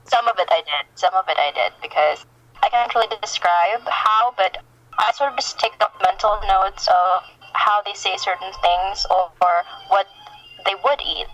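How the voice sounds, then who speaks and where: A woman guest chatting casually in an interview, explaining things earnestly in halting phrases. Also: mid-range voice, fairly bright tone, muffled recording. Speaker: podcast guest, fan fiction writer.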